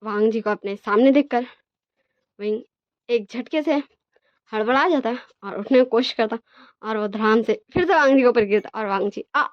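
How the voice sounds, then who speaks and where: A woman's voice: on the high side, normal speed, pauses often, no echo, lo-fi sound. A woman retelling fan fiction in a casual, chatty way, talking straight to her listeners. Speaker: storyteller.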